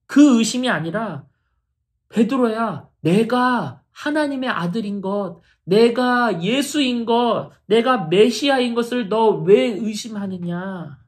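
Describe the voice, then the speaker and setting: A woman pastor voicing a gentle male teacher figure who rebukes tenderly and slowly within her sermon. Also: on the high side, expressive. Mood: gently reproving.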